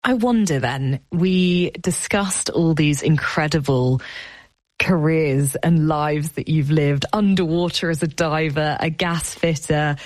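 A woman interviewer poses careful, probing questions in a calm, measured way. Her voice is low and deep for a woman. The sound is dry and close, with no room echo. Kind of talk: broadcast interview.

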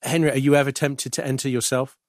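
Male broadcast interviewer, medium pitch, polite and curious, recorded dry. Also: steady tone, fast talker, no room sound. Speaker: interviewer, programme host.

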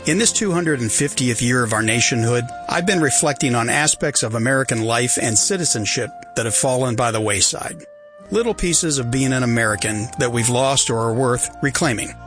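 A man reading a reflective scripted radio commentary in a measured way. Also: mid-range voice, expressive, music in the background.

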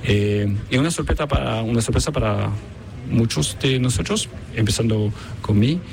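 A man's voice: medium pitch, normal speed, vocal fry. A man from Chile, a product designer, answering interview questions hesitantly with many fillers and restarts, at a busy event. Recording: crowd chatter behind.

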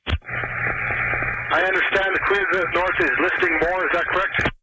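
A man's voice: high voice, flat delivery, measured pace, heavy background noise. A man working as a coast guard radio operator, heard over a marine radio transmission, speaking in clipped, formulaic radio phrasing. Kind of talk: radio procedure calls.

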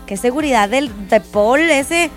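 Mexican woman, slightly high voice, animated gossip co-host, faint music behind. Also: measured pace. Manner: chatty, animated, giggly. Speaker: show co-host. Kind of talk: casual celebrity gossip chat.

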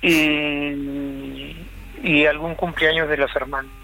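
A man from Chile calling in to a late-night radio show, telling a family story in a halting, reflective way. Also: fairly high pitch, little pitch movement, vocal fry, bright, forceful tone, a little hiss or hum, low-quality recording. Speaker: caller.

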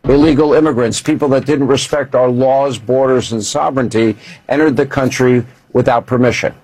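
A man pushes through a confrontational interview, cutting in with pointed questions. His voice is husky, recorded in a dry, dead space. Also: mid-range voice, steady tone, moderate pace, a little mellow, no echo, low-quality recording. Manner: pushy, interrupting.

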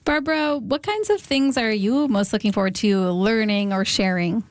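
A woman hosting a radio interview, reading a polished introduction and asking clear questions. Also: mid-range voice, normal speed, no room sound, clean studio sound. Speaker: radio show host.

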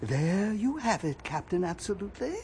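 A man's voice: high voice, big pitch swings, normal speed, a little mellow, a little hiss or hum. An actor playing a gloating male villain, a wrestling manager turned mad scientist, with a theatrical, cackling delivery. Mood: broadcasting. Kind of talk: comedy audio drama.

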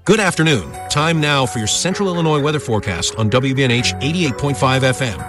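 A man reading a local weather forecast on the radio in an even, matter-of-fact way. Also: mid-range voice, brisk, over music.

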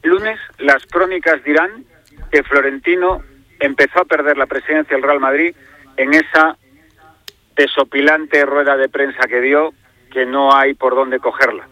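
A man's voice: mid-range voice, fairly even intonation, a little slow, pushed and bright, no room sound, low-quality recording. A man with an accent from Spain giving his opinion in a sports debate, emphatic and repeating phrases for effect. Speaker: football pundit.

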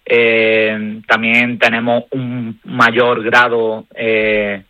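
A man, a band member calmly explaining his views in a radio interview. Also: medium pitch, extremely slow, no echo. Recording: dull lo-fi radio sound.

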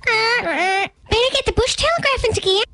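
A woman's voice: very high voice, animated, moderate pace, noisy background. A woman voicing a well-meaning, muddled female animal who likes to sound knowledgeable, in a children's story. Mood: urgent. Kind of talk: children's audio story acting.

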